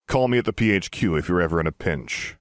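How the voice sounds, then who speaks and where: A male actor plays a commanding superhero in an audiobook drama. His voice is deep and calm, with a measured, persuasive delivery, captured very dry and close. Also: no echo. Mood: assured. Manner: deliberate, measured. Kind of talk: audiobook character dialogue.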